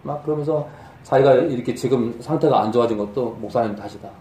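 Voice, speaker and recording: A middle-aged male pastor giving a sermon in a conversational, animated way that rises to emphatic peaks. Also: mid-range voice, fast, distant mic, a little hiss or hum. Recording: echoey room from off mic.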